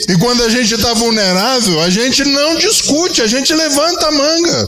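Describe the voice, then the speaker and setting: A man's raised, projected voice, extremely high-pitched, with lively intonation at a moderate pace. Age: 60s. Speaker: spiritist lecturer. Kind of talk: lecture. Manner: casual, conversational.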